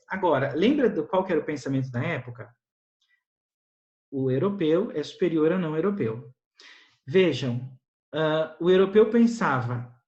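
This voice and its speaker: A man giving a university lecture, explaining patiently with frequent tag questions and fillers. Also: on the high side. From Brazil. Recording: echoey lo-fi lecture recording.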